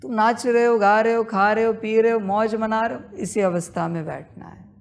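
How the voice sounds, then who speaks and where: A woman leading a guided meditation, repeating her instructions in a slow, insistent spiritual talk. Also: on the high side, fairly even intonation.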